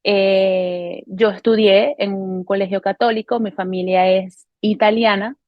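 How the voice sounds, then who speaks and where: A woman in her thirties from Venezuela gives a personal faith testimony to camera, in an earnest, unhurried way with frequent hesitations and self-corrections. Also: medium pitch, steady tone, no echo, muffled recording. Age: 30s. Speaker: testimony speaker. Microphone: camera recording.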